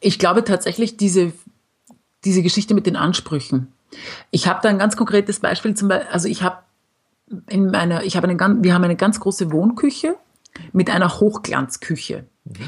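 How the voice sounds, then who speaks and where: A woman talks at a fairly quick pace, her voice somewhat breathy with ordinary pitch variation. Her speech has long, frequent pauses. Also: medium pitch for a woman. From Austria, Vienna. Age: 40s. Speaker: psychological counsellor. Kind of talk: interview.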